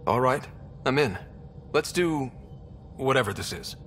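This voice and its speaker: An actor playing a level-headed expedition leader in a video game, direct and questioning with a wry edge. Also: male voice, mid-range voice, expressive, measured pace, a bit bright, a little hiss or hum. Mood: wry, resolved. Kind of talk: video game cutscene dialogue.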